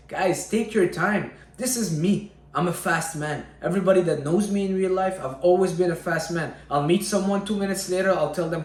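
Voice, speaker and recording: A man from Syria giving informal motivational advice straight to his listeners, direct and repeating phrases for emphasis. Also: a little high. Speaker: vlogger giving relationship advice. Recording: roomy, echoing room sound.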